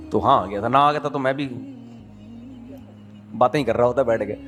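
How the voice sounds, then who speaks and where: Animated middle-aged male preacher, fairly high voice. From Pakistan. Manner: animated, asks the audience rhetorical questions and acts out little dialogues. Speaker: Islamic preacher. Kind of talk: conversational sermon.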